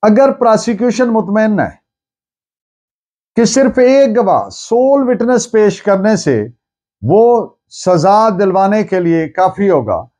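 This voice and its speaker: A man with a Pakistani accent giving an explanatory law lecture, deliberate and restating key points in other words. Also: high voice, lively intonation, warm tone. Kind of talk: explanatory lecture with dictated case citations.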